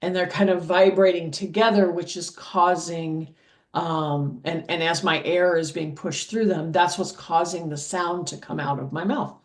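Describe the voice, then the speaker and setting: A woman with a deep voice for a woman, teaching anatomy in a patient lecture style, checking in with "okay?" and filling pauses with "um". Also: fairly even intonation. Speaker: anatomy instructor. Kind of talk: slow explanatory lecture over diagrams.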